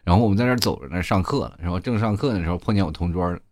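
A young man from Inner Mongolia, hosting a comedy podcast and telling funny school stories in a chatty, animated way, full of asides to listeners. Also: deep voice, racing, dry recording, clean studio sound. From Inner Mongolia, China. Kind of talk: comic storytelling monologue.

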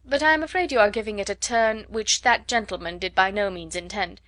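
A woman voicing a good-natured young gentleman who protests good-humouredly. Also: mid-range voice, fairly quick, no room sound, close to an everyday voice.

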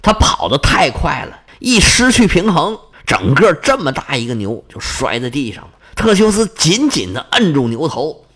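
A man's voice: fairly high pitch, sing-song, normal speed, few pauses, a bit bright. A male storyteller animatedly retelling a myth, full of vivid sound words. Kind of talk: oral storytelling of myths.

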